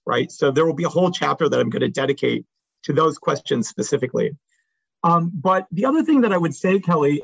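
A man's voice: fairly high pitch, creaky, a bit bright, husky, no room sound, dull audio. A man speaking as an academic, answering audience questions after a talk in an explanatory, hedging way that often checks in with the listeners.

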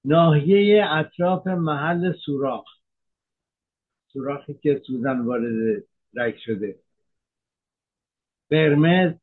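A man, a physician from Iran, giving a measured health talk that explains medical terms, with frequent hesitations. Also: fairly high pitch, phone-quality sound.

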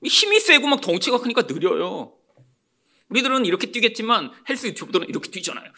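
Animated high-voiced male preacher. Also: fast. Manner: animated, often calls out to the congregation. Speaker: pastor. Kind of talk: expository sermon.

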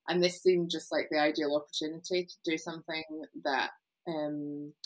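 A woman curator explaining an exhibition in conversation, pausing often with ums. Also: lowish voice, fairly bright tone, poor audio. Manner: hesitant, many ums.

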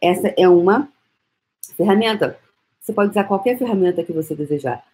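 A woman with a Brazilian Portuguese accent hosting a motivational live-stream talk, energetic and coaxing, fond of repeating phrases like a mantra. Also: fairly low pitch, brisk. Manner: speaks intimately to the listener. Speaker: host.

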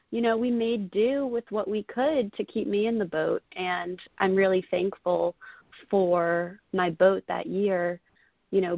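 A woman's voice: fairly low pitch, vocal fry, dry recording. A woman in her twenties, a college rowing coxswain, answering interview questions in an earnest, casual way with frequent fillers. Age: 20s. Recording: dull lo-fi audio.

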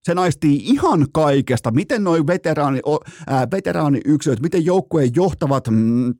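A man's voice: fairly high pitch, animated, darkish tone, dry recording, studio quality. A man hosting a sports podcast, rambling through hockey news in a joking, casual way with mild swearing.

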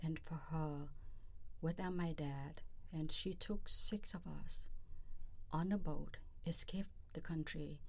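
Earnest middle-aged woman, lowish voice, halting and heartfelt. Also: fairly even intonation, a little mellow. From Vietnam. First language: Vietnamese. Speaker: interviewee, federal employee. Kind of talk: personal interview.

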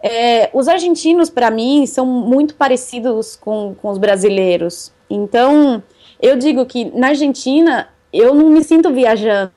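A woman's voice: a little high, normal speed, mellow. A young Brazilian woman telling about her bicycle travels in a casual interview, chatty and laughing often. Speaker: cycle traveler guest.

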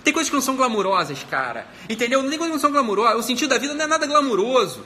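A Brazilian man gives a motivational self-help talk in a high, bright voice. He talks fast and bluntly, swearing freely and repeating key phrases. A faint noise sits under his voice. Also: big pitch swings. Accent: Brazilian Portuguese. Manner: blunt and profane, emphatic repetition. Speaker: psychiatrist.

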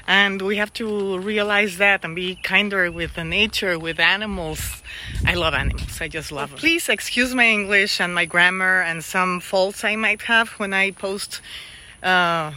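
A woman's voice: medium pitch, measured pace, pushed and bright, a little hiss or hum. Chatty woman. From Mexico. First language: Spanish. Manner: chatty, self-deprecating, coaxing with animals. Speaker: vlogger and TV talk show host. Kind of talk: casual chat to camera. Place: outdoors at a small ranch.

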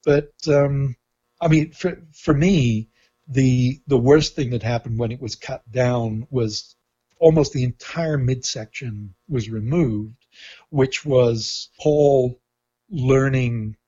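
A man from Canada with a husky voice, talking in an interview in a halting, thoughtful, opinionated way. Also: mid-range voice, warm tone. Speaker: interviewee, film journalist. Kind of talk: reflective interview talk. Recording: dull, lo-fi sound.

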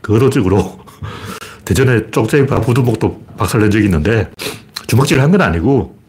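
A man's voice: on the low side, expressive, fairly quick, darkish tone. A middle-aged man hosting a solo political commentary livestream, talking bluntly and colloquially and answering his own rhetorical questions. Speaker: livestream host.

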